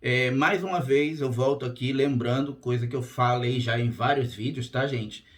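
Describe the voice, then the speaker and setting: A man whose voice is hoarse and strained, with a raspy edge that breaks now and then. He talks casually and directly to his viewers as a spiritual therapist, plain-spoken and unfussy, in a mid-pitched voice. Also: normal speed. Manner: direct and plain-spoken, frequent "tá?" check-ins. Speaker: spiritual therapist and channel host. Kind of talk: casual monologue to camera.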